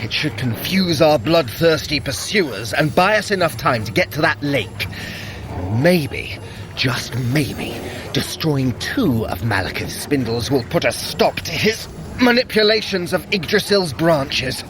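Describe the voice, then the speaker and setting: A vain, theatrical trickster god. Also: male voice, on the high side, lively intonation, measured pace, noisy background. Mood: focused. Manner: theatrical, smug, wry. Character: vain, sardonic male trickster god and sorcerer. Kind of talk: scripted audio adventure acting.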